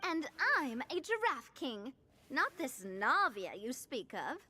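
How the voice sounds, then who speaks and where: High-voiced, stately giraffe king. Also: big pitch swings, slow pace, pushed and bright, breathy edge, faint music behind, full character voice. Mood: regal. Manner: stately, pompous phrasing. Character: regal, grandiose giraffe king of a fairy tale.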